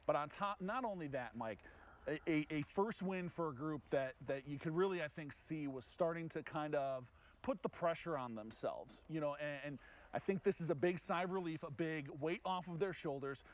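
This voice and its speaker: An American man hosting a casual sports chat, repeating himself and pausing as he finds his phrasing. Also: fairly high pitch. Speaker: sports director, show host.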